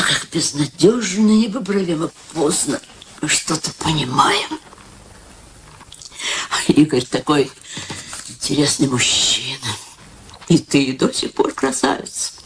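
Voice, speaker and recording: An older woman playing a wistful, sharp-witted elderly mother in a radio drama, plaintive and theatrical. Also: lowish voice, a little hiss or hum. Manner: plaintive, dramatic, repeats herself.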